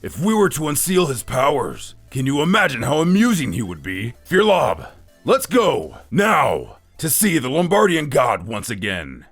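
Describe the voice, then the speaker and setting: A man voicing an imperious, short-tempered god of war in a rough, gravelly, commanding voice, in a storytelling recap. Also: medium pitch, wildly swooping pitch, unhurried, fairly bright tone, heavily acted. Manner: commanding, terse, haughty. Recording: music behind the voice.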